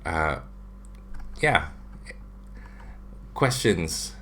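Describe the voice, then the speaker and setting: A Filipino man in his thirties hosts a casual drawing-channel livestream from his home room, with shelves of figures behind him, picked up by a webcam at his desk. His deep voice is very animated, bright and forceful, yet extremely slow. Chatty, he reads viewer questions aloud and answers them with lots of fillers.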